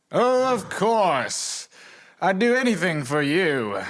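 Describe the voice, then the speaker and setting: Someone uses a cartoonish character voice at a very slow pace. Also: man, high pitch for a man. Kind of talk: cartoon voiceover. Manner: sweet, cheerful, devoted.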